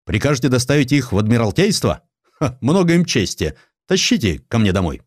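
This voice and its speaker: A man's voice: mid-range voice, big pitch swings, fairly quick, dry recording, clean studio sound. A man voicing a crusty but kindly admiral in a dramatised audiobook, brusque and commanding, then coaxing. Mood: gruff, irritated. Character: crusty, blunt, kindly protective male admiral. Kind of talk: Russian audiobook character acting.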